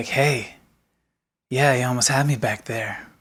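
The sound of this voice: In a husky, put-on character voice, the speaker holds a low-to-middle pitch with monotone, flat intonation at a moderate pace.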